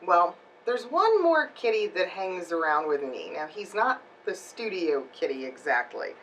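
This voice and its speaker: A woman's voice: lowish voice, very animated, a little slow, fairly bright tone, far from the mic, slight background noise, rough recording. A woman giving instructional tips to camera as a voice-over coach and host, emphatic and speaking directly to her viewers. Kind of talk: instructional video talk to camera.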